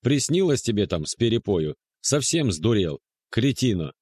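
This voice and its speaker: A man's voice: on the low side, sing-song, moderate pace, a little mellow, slightly rough, no room sound, pitched above the performer's own voice. A man voicing a woman, the villa owner, scolding a jealous neighbor in a storybook reading. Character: sleepy then furious woman, villa owner.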